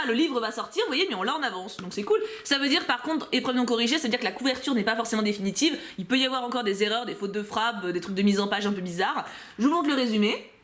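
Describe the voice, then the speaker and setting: Chatty high-voiced woman. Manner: chatty, animated, bursts of excited shouts. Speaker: book box unboxing vlogger. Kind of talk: casual unboxing chat.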